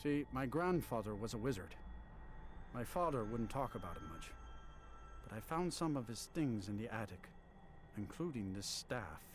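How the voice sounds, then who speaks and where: A man's voice: medium pitch, big pitch swings, normal speed, slight background noise, close to an everyday voice. A man playing a sheepish, hapless amateur wizard in a video game, speaking hesitantly and self-deprecatingly. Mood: wistful. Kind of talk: video game character dialogue.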